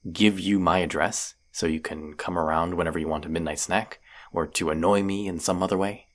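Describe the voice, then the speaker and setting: Casting: male actor as stubborn wounded monster hunter, deep creaky voice, sarcastic and teasing, roleplay audio drama. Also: fairly bright tone, exaggerated voice. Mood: grudging, exasperated. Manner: sarcastic, grumbling banter.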